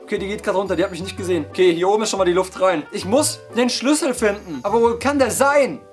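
A hoarse young man doing let's-play commentary, excitable, yelping and laughing as he talks to his viewers. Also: high-pitched, fast talker. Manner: excitable, yelps and laughs, keeps addressing viewers. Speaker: gaming YouTuber. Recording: background music under voice. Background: game music.

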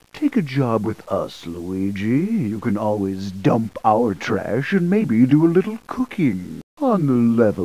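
A man voicing a smug, sarcastic, raspy turtle henchman who wheedles like a wise guy in a cartoon game. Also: fairly low pitch, a little mellow, exaggerated voice. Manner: sarcastic, smooth-talking persuasion. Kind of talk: cartoon video game character acting.

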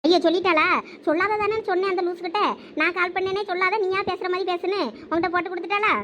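A woman's voice: very high voice, fairly even intonation, fast talker, fairly bright tone, a little hiss or hum. A woman in a village comedy skit, voicing a lazy young male friend who teases his buddy. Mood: teasing. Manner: teasing, joking.

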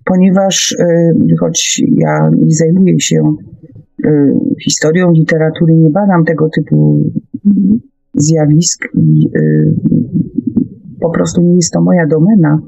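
A woman speaking hesitantly and haltingly in an unscripted radio discussion. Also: low-pitched, gravelly, mellow, faint music behind, rough recording. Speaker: radio talk show host.

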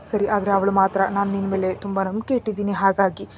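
A woman's voice: medium pitch, completely flat delivery, brisk, a little hiss or hum, natural voice. A woman voicing a wary, questioning young man in a storybook reading, speaking insistently.

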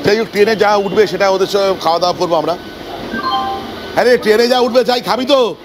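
A man giving a casual travel vlog, chatting and explaining things to viewers and companions. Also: fast. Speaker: travel vlogger. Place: aboard a local train. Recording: noisy train ambience. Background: train and vehicle rumble.

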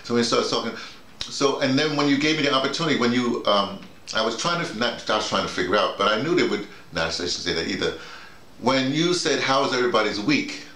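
An older American man, a theater director and workshop leader, gives an informal debrief in a small bedroom, his explanation rambling and digressive. He tells stories animatedly, often acting out quoted remarks, at medium pitch and a quick pace. The room is echoey with faint noise.

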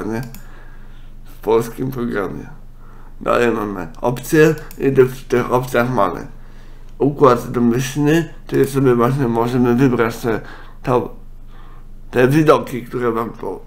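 Slow-talking man with blocked nose. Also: mid-range voice, gravelly. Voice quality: congested, blocked-nose sound; speech impediment, imperfect articulation. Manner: halting, with self-corrections. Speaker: software tutorial presenter. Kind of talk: casual screen-recorded software walkthrough.

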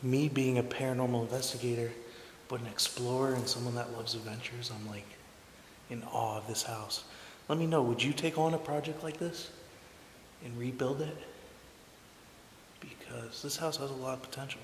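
A man's voice: mid-range voice, steady tone, moderate pace, pauses often. A young man exploring an abandoned house, talking to his camera, awed and jumpy, sometimes calling out and sometimes whispering, recorded on a handheld camera mic. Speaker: urban explorer. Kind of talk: exploration vlog narration. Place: large empty abandoned house, indoors. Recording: echoey empty rooms with faint hiss.

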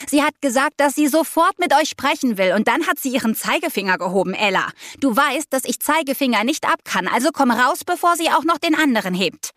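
A pushy, impatient young woman, as a female narrator voices her, calls through a closed door in a clearly raised, brighter voice. She is insistent and a little pleading. The audiobook recording is dry and close, with no room sound. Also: high-pitched, expressive, a little fast, few pauses, dry recording, voice pushed up. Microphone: close studio mic.

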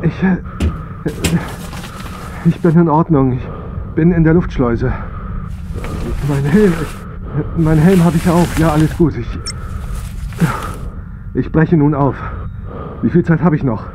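A man's voice: a little high, slow, pauses often, noisy background. A man playing a harried, impatient space pilot in a German sci-fi audio drama, with urgent, tense delivery. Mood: anxious. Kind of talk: German science fiction audio drama acting.

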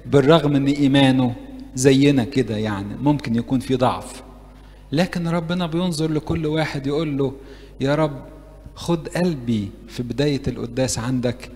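Lively Egyptian priest in echoing hall. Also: male voice, mid-range voice, fairly quick. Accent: Egyptian Arabic. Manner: lively, asks the audience questions and acts out prayers. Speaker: priest preaching to university youth. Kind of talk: interactive sermon. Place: church meeting hall.

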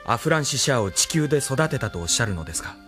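A man voicing a brisk, dutiful officer. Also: mid-range voice, very animated, music in the background, close to an everyday voice. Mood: respectful. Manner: deferential, formal. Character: male officer, dutiful and respectful to his chief. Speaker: subordinate officer. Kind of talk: radio drama acting.

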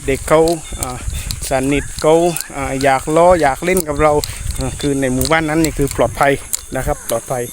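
A man talking casually to viewers in an explanatory vlog, hesitant and repetitive, with many drawn-out filler pauses. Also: on the high side, steady tone. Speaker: soldier vlogger addressing viewers. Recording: noisy outdoor recording with insect ambience.

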